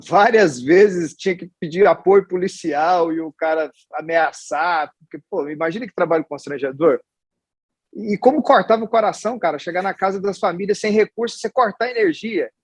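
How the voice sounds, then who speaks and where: A Goiás-born hospital executive in his forties, speaking Goiás-accented Brazilian Portuguese, rambles warmly through his life story in a casual interview, restarting phrases and tacking on little questions. His husky voice is pitched slightly above the typical male range and moves at normal speed. The recording is close and dry.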